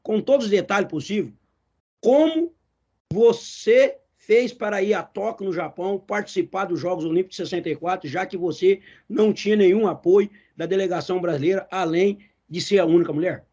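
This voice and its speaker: A man's voice: sits high, a little fast. A man in his fifties with a Brazilian Portuguese accent, a talkative former athlete interviewing a guest. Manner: talkative, self-described loudmouth. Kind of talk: interview questions. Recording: dull lo-fi recording.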